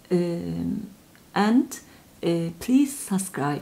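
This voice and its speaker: A woman with a Turkish accent and medium pitch speaks at a very slow pace. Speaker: crochet youtuber. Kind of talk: channel announcement. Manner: halting, many fillers.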